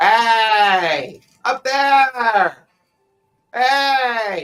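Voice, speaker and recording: The speaker uses a put-on character voice. Its pitch is fairly high. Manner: yelling up from below.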